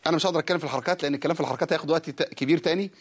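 An Egyptian man teaching Quran recitation on a broadcast lesson, explaining rules firmly and chanting verses of didactic poetry slowly. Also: a little high. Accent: Egyptian Arabic. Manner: firm, corrective explanations.

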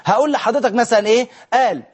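A man's voice: very high-pitched, rapid-fire. A man with an Egyptian accent teaching grammar on a broadcast lesson, asking questions and answering them himself with playful scolding. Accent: Egyptian Arabic.

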